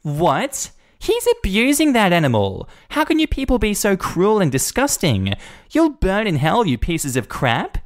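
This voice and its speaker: A man's voice: a little high, very animated, a little slow, voice pushed up. A man voicing a rude, entitled middle-aged woman who screeches and sneers at everyone. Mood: indignant.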